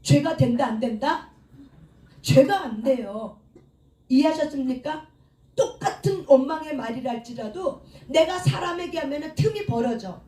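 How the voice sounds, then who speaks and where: A woman pastor preaches a sermon in a high, mellow voice, leading the congregation in call-and-response. She acts out prayers and quotes with rising emotion, sometimes shouting. She is heard from a distance in an echoey hall. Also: animated, a little slow. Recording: echoey room, mic at a distance.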